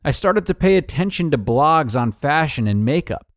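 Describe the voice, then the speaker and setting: Lively male narrator, upbeat tidy advice, close and dry. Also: fairly high pitch, normal speed, no echo. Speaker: narrator reading blog articles aloud. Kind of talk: scripted narration of a personal advice article.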